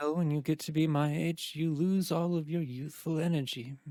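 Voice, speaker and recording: Using a put-on character voice, a man talks breathily at a fairly high pitch and a moderate pace. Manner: quiet, low energy.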